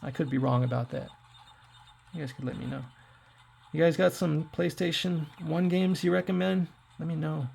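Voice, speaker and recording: A raspy-voiced man in his forties, hoarse from throat trouble, rambling casually to his viewers while he plays retro games. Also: fairly high pitch, fairly even intonation, moderate pace, a little mellow. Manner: rambling, chatty, talks to viewers while playing. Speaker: tech reviewer playing retro games. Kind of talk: casual gameplay commentary.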